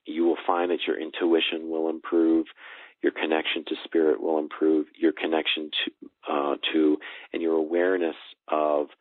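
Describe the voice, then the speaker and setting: A man explaining things earnestly as a spiritual coach, in measured short phrases over a call line. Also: a bass voice, monotone, no room sound. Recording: muffled phone-like call audio.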